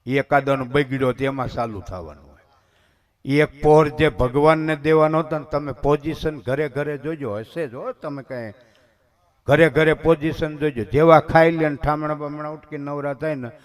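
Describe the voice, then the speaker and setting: A man's voice: on the high side, normal speed. A man giving a devotional sermon in a folksy, conversational way, often calling his listeners bapu. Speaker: katha preacher.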